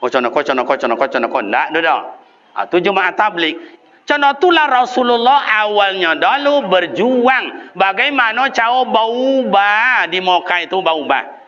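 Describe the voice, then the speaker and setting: A man with a Kampar Minang Malay accent preaching a lively sermon in a mosque, chanting lists and imitating sounds and calls. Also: high voice, normal speed, highs cut off. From Riau, Indonesia.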